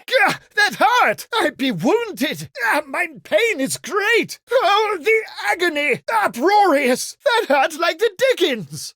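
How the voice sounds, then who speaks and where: A pompous, bumbling medieval knight. The voice sits very high and leaps about theatrically. Every archaic phrase is drawn out and over-enunciated at an unhurried pace, in flamboyant video game style. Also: male voice, a bit bright, dry recording, studio quality, exaggerated voice. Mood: pained, indignant.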